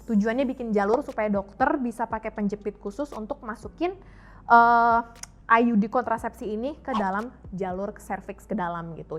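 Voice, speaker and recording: A woman's voice: on the high side, pushed and bright. A young adult woman talks candidly and casually to her viewers, dropping English phrases into her chat. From Indonesia, mixed European and Indonesian family. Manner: frank, chatty, code-mixing English phrases. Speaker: YouTube health and fitness vlogger.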